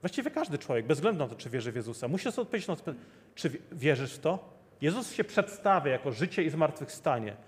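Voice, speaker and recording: A man's voice: on the high side, sing-song, fast talker. Earnest male preacher in a reverberant hall. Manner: earnest, repeats rhetorical questions to the listeners. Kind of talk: sermon.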